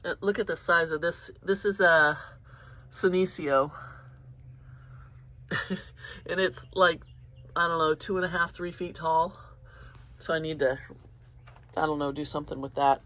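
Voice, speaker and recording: Unhurried and pausing often, a woman with a low-pitched, fairly bright voice and fairly even intonation sounds congested and sniffly. She vlogs a casual walk-through of her outdoor home garden in the early morning, meandering as she points things out.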